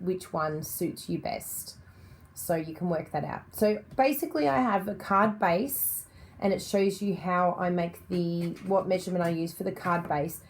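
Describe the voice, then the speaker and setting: An Australian woman in middle age with a touch of croakiness in her voice, talking in a chatty, upbeat way. She speaks at an ordinary pitch for a woman and moves easily between explaining and greeting her live viewers. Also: darkish tone. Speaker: card-making demonstrator. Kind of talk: live-stream tutorial chat.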